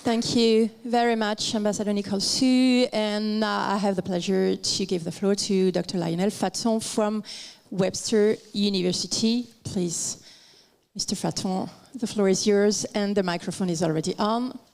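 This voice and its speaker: A woman's voice: mid-range voice, fairly even intonation, moderate pace, vocal fry, darkish tone. A woman acting as moderator, formally thanking and introducing speakers at an event.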